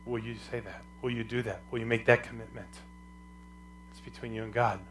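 A male pastor preaching a sermon with a loud, carrying voice and emphatic, repetitive phrasing. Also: medium pitch, little pitch movement, brisk, a little hiss or hum.

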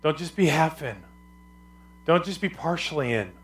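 A male pastor preaching a sermon with a loud, carrying voice and emphatic, repetitive phrasing. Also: on the high side, lively intonation, moderate pace.

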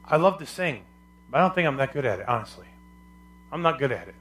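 A male pastor preaching a sermon with a loud, carrying voice and emphatic, repetitive phrasing. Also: medium pitch, big pitch swings, fast talker.

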